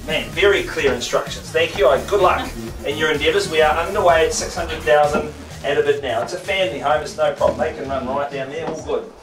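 A middle-aged New Zealand man runs a house auction with brisk, wisecracking patter, his voice sitting a touch high. He is picked up from across an echoey, crowded room rather than close to a mic. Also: far from the mic, music in the background. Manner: quick joking banter, rhythmic bid calling. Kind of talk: live property auction patter. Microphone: far camera, no mic.

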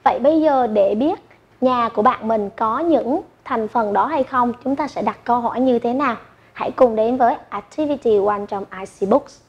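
A woman English teacher giving an online primary lesson, slowly modelling words for pupils to repeat. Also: on the high side, breathy edge, muffled recording. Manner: slow modelling of words for repetition.

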